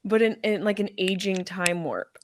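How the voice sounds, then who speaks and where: A woman's voice: medium pitch, normal speed, slight background noise. A woman hosting a comedy podcast, brash, profane and playful with her guest. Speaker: podcast host. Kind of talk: casual comedy podcast chat.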